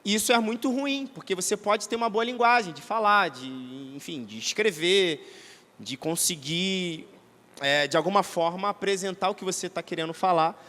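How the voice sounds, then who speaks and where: Brief: Brazilian man, fairly high voice, chatty seminar teacher, long hall reverb. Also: moderate pace, pushed and bright. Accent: Brazilian Portuguese. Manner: conversational and didactic, many tag questions. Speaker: church seminar speaker. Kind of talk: teaching talk to an audience. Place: church hall.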